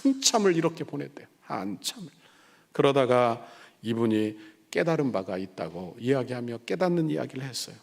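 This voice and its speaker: A man's voice: mid-range voice, sing-song, normal speed, vocal fry. A middle-aged man, a senior pastor, preaching a sermon and telling stories, acting out the people he quotes and building to emphatic passages. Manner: storytelling, acting out quoted voices.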